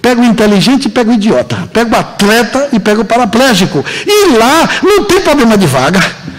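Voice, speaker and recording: A man with a Brazilian Portuguese accent giving a lecture to an audience in an auditorium, emphatic and joking, with drawn-out dramatic pauses. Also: extremely high pitch, big pitch swings, poor audio. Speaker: seminar lecturer. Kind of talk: lively lecture to a live audience.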